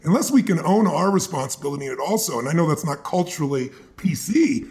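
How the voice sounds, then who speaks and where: A man hosting an interview speaks earnestly in a slightly higher register. He lays out his views on coaching couples and then asks his guest pointed questions. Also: animated, quick pace, a little mellow. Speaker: podcast host. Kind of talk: interview conversation.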